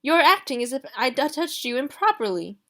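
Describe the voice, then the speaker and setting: A woman's voice: sits high, sing-song, a little fast, fairly bright tone, pitched above the performer's own voice, full character voice. A woman doing a huffy, prim male guardian. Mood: indignant. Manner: huffy, peevish.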